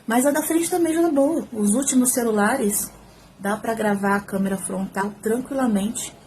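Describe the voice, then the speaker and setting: Speaking at a normal speed in a fairly high voice, a former TV reporter with a Brazilian Portuguese accent gives a casual, chatty tutorial to her phone's front camera at home. She's animated and gestures as she talks, and there's a little hiss or hum.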